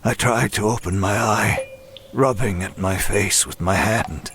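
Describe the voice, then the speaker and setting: Deep, weary, tormented demon narrator. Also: male voice, fairly bright tone, a little hiss or hum. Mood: wary, stunned. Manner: grave, measured, halting, dramatic. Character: broken, weary male demon, tormented and self-loathing. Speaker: first-person narrator. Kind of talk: scripted horror audio drama narration.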